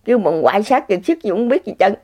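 A woman's voice: mid-range voice, big pitch swings, fast, dark tone, dull audio. A woman tells her personal story in casual spoken testimony. She talks in an exclamatory way and laughs often. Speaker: speaker sharing a personal story.

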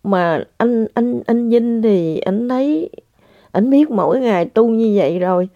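A woman's voice: fairly high pitch, expressive, measured pace, no echo. An older woman telling a personal spiritual testimony to her listeners, earnest and repeating herself. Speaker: spiritual practitioner sharing testimony. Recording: dull lo-fi sound.

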